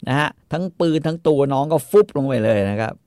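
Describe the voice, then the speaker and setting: A man's voice: on the high side, fairly quick, darkish tone, no room sound, clean studio sound. A man hosting a casual chat, animatedly retelling a story with sound effects.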